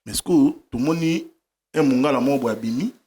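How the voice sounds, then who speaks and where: A man's voice: mid-range voice, normal speed, mellow, husky. A man who puts questions to a guest, polite and switching between Lingala and French. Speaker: caller asking questions. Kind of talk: interview questions.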